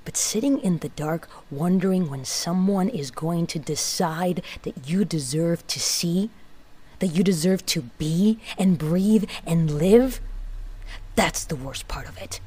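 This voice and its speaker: A woman playing a weary, wry tinkerer in a sci-fi audio drama monologue, speaking in a halting, brooding manner. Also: lowish voice, dark tone, breathy edge. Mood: quiet, resigned. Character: weary, wry young woman tinkerer in a doomed underground city.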